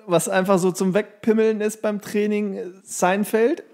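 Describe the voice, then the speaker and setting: Higher-voiced man, casual podcast storyteller. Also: unhurried. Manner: animated storytelling, acts out quoted dialogue. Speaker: podcast co-host. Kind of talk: casual comedic chat, retelling scenes.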